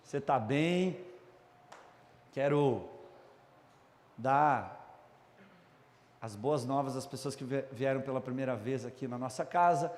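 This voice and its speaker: A man's voice: mid-range voice, a little mellow. A man with a Brazilian Portuguese accent preaching a sermon as a pastor, speaking straight to his congregation and to viewers at home. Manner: addresses congregation and online viewers directly, prays aloud. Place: church hall. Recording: long hall reverb.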